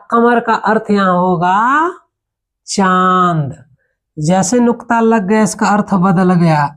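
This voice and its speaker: Patient man teaching Hindi grammar. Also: sits high. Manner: patient, repeats words slowly, checks in with "है ना". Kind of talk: classroom lesson.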